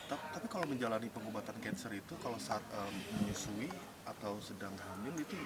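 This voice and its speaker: A man's voice: on the low side, animated, fairly quick. A man interviewing a guest, pressing with probing questions. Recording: loud background noise.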